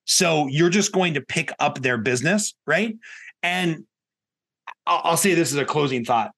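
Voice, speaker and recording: Man, somewhat high voice, podcast guest, sales coach, candid, colloquial, repeats points for emphasis. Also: expressive, a little slow, fairly bright tone. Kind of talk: podcast interview, conversational advice.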